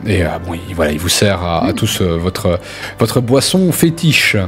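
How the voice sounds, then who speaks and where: A male game master with a very deep voice improvises scene descriptions for a tabletop game. His delivery is casual and conversational, over background music. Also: big pitch swings, normal speed, fairly bright tone. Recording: music playing under the voice.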